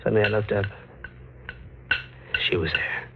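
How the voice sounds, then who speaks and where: Haunted American fugitive, old radio horror. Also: male voice, lowish voice, fairly even intonation, normal speed, vocal fry, background noise. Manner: terse, dramatic delivery in short clipped sentences. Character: wounded, feverish, haunted man on the run. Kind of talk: 1940s American radio horror acting, first-person narration. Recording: old radio recording with music behind. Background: music.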